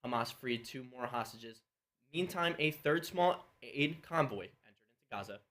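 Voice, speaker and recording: Male anchor, mid-pitch, steady studio read for a news show. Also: moderate pace. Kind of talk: scripted studio news reading.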